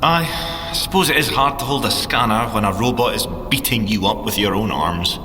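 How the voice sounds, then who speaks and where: An actor playing an excitable, grumbly young male tech-genius agent with a Scottish accent and a wry, geeky manner in an audio drama. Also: on the low side, moderate pace. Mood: glum, wry. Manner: expressive, wry, boyishly geeky. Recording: music under the voice.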